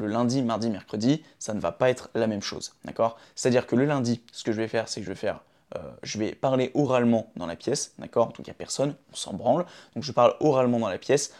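A man's voice: mid-range voice, darkish tone. Young male vlogger, casual chatty delivery that keeps checking in with the listener, recorded on a phone indoors, mid-range voice. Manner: chatty, often checks in with "d'accord?" and "ok?". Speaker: vlogger sharing his daily routine. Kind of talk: casual direct-to-camera advice. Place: his room indoors. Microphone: phone camera.

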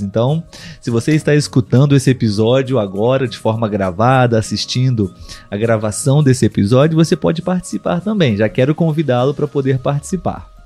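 A man from Brazil hosts a live podcast for people learning Portuguese. He speaks slowly and deliberately, often saying the same thing two ways. His voice is mellow and dark, and soft music plays faintly behind him. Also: mid-range voice. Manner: slow, deliberate, repeats and rephrases for learners. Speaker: podcast host.

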